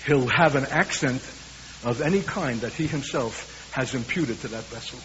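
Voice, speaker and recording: A man with a Brooklyn accent preaching a sermon, earnest and emphatic, slowing down for weighty lines. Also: medium pitch, fairly bright tone. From USA. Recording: hissy, dull recording in a reverberant hall.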